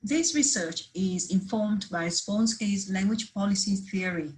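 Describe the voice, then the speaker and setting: A woman's voice: mid-range voice, measured pace, darkish tone, poor audio. A woman presenting a research paper at a conference, reading steadily from prepared slides with the odd restart.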